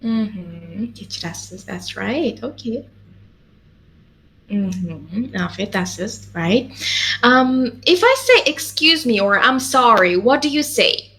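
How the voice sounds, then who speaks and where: Patient woman tutor, lively and slow. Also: medium pitch, poor audio. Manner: patient, encouraging, lots of mm-hmms and checks. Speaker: language teacher. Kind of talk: one-on-one language lesson.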